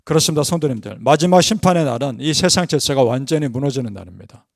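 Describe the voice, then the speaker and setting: A man's voice: lively intonation, fast talker, vocal fry, no room sound, studio quality. A man preaching an early-morning sermon as pastor, earnest and emphatic, leading the congregation through scripture. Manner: earnest preaching, rising with emphasis then dropping low; leads congregation in scripture reading.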